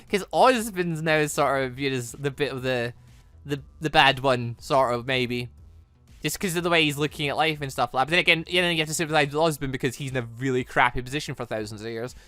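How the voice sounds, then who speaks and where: A man's voice: fairly high pitch, fairly quick, pushed and bright, dry recording. A young man doing casual game commentary, rambling and trailing off into nonsense syllables. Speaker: gaming channel host. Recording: music behind the voice.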